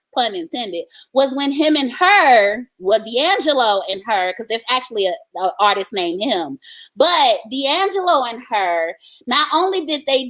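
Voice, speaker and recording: The voice is loud, with a bright, sharp tone and very wide pitch swings. It moves at a moderate pace. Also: woman, high pitch for a woman. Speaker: podcast co-host. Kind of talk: casual chat. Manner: animated.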